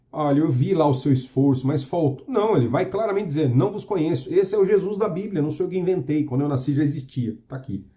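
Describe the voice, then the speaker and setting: A man's voice: fairly high pitch, warm tone. A Brazilian man preaching earnestly to camera, asking the listener questions and reading scripture with emphasis. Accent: Brazilian Portuguese.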